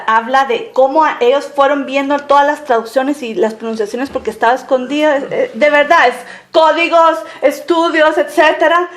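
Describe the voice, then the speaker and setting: Chatty high-voiced woman teaching Bible study. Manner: lively, laughing, chatty with many fillers. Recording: echoey room recording.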